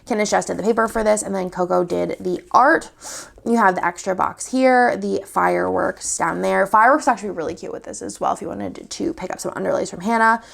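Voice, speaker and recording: A young woman who owns a sticker shop shows off her new products in a casual showcase, chatty and upbeat as she walks through each item in turn. Her medium-pitched voice is gravelly and a little fast, and she's sniffly from a cold.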